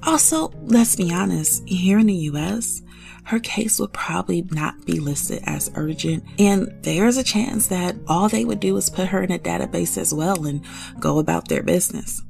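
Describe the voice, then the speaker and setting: A woman's voice: on the low side, moderate pace, gravelly, darkish tone, faint music behind. A woman hosting a true-crime podcast, talking through a case in a conversational way, thinking aloud with frequent asides. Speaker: podcast host.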